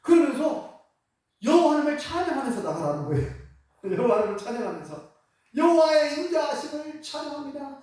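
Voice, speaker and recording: A preacher whose voice swoops up and down as the sermon builds, tossing out rhetorical questions and short laughs. The sound booms around a large, echoey church hall, picked up from some distance away. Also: big pitch swings, fairly quick, darkish tone. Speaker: pastor. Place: church sanctuary.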